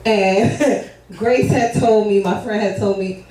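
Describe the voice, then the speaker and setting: Loud laughing New York woman co-host in an echoey studio. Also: medium pitch, steady tone, slow pace, distant mic. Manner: loud, laughing, talks over others. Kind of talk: casual studio banter.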